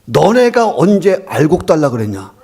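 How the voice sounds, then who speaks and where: God in a preacher's retelling, a mature male voice, plainspoken and teasing, with a lively, rising and falling delivery, as a man voices the part in his sermon. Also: fairly high pitch, moderate pace, husky, heavily acted. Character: God, calm and amused, answering farmers.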